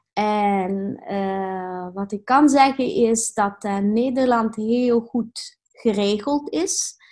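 In an Italian accent, a woman speaks at a fairly high pitch with ordinary pitch variation. Her pace is very slow, with hardly any pauses. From Italy. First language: Italian (speaking Dutch). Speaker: plastic surgeon. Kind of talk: interview. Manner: halting.

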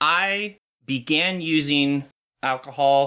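The man's voice sits at a medium pitch with a bright, sharp tone. His pitch moves in an ordinary way. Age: 20s. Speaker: podcast guest sharing recovery story. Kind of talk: casual interview, personal testimony.

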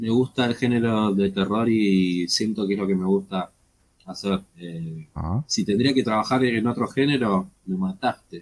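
The man's voice is fairly low, with ordinary pitch variation. He talks at a fairly slow pace. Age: 30s. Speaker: indie game developer. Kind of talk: interview. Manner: halting.

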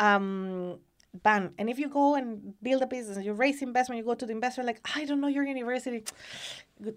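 The speaker has a Spanish accent. Pitch variation is ordinary. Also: woman, high pitch for a woman, fairly quick pace. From Costa Rica. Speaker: social entrepreneur. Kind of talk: interview. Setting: stage with audience.

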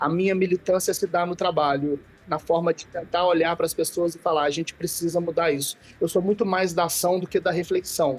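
The speech moves at a fairly quick pace in a flat monotone. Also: man, high pitch for a man. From Brazil. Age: 40s. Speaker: gastronomy professor and researcher. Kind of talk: interview.

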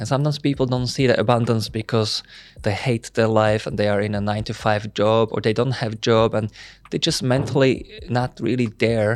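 Speech in a Slovak accent comes at a moderate pace with fairly even intonation, on a very clean recording with a silent background. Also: man, medium pitch for a man. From Slovakia. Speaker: podcast host. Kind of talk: casual interview chat.

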